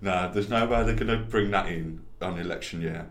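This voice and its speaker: A man's voice: deep voice, a little fast, reverberant, a crowd in the background. A man co-hosting a podcast, trading dry quips and giggling through casual banter. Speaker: podcast co-host.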